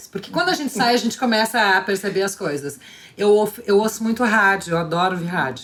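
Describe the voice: With a Rio Grande do Sul accent, a woman talks at a fairly quick pace and medium pitch, her intonation lively, against noticeable background noise. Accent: southern Brazilian gaúcho.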